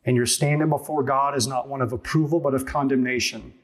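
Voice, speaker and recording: Pastor, male, mid-pitched husky voice, earnest emphatic sermon delivery with pointed questions. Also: fairly even intonation, a little fast.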